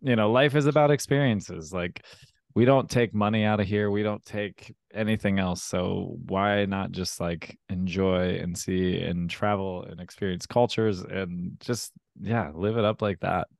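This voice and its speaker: A man's voice: deep voice, steady tone, unhurried, vocal fry, darkish tone, no room sound, clean studio sound. A man hosting a podcast in a casual, laid-back, affirming way. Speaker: podcast host. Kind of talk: casual chat.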